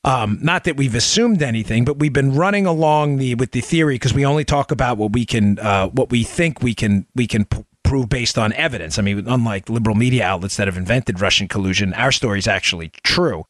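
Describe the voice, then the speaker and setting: A man's voice: mid-range voice, a little fast, few pauses, no room sound. Man, political talk host, opinionated commentary, emphatic, rhetorical questions, repetitive phrasing, mid-range voice, dry close mic. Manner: emphatic, rhetorical questions, repeats phrases, addresses listeners directly.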